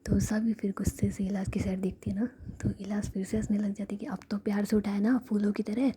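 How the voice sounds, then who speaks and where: A woman narrating a story in a soft, steady whisper. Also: mid-range voice, a little fast, a little hiss or hum.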